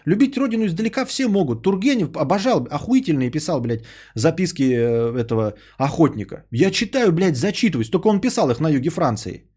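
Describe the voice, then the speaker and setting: A man's voice: a little high, big pitch swings, a little fast, few pauses, darkish tone, breathy edge. A man, a podcaster and streamer, ranting in a sarcastic, indignant tone and swearing freely as he answers a viewer.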